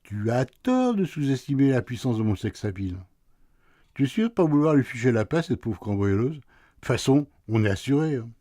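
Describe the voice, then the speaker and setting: A man's voice: medium pitch, big pitch swings, normal speed, dark tone, no echo. An actor playing a sleepy, teasing husband in a radio play, answering his wife with dry sarcasm. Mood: grumpy, teasing. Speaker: husband woken at night.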